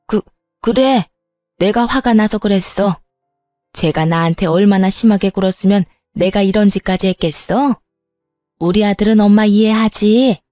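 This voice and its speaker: A woman's voice: mid-range voice, moderate pace, warm tone, dry recording, clean studio sound, soft background music, close to an everyday voice. A woman voicing a brazen, self-pitying older mother-in-law who stammers and talks back in an indignant tone, in a scripted story. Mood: defensive.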